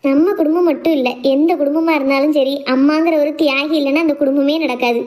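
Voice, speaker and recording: Woman playing a young daughter, earnest and playful, talks super fast. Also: high-pitched, fairly even intonation, darkish tone, natural voice. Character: young adult working daughter, devoted and teasing. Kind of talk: family drama skit.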